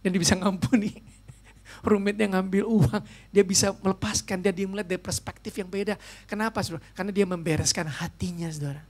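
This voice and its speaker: A male pastor delivers an emphatic sermon with a gravelly, creaky voice. He slips English phrases into his talk and keeps speaking straight to his congregation. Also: high-pitched, steady tone, brisk, darkish tone. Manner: emphatic, mixes English phrases into his talk, often addresses listeners as "saudara".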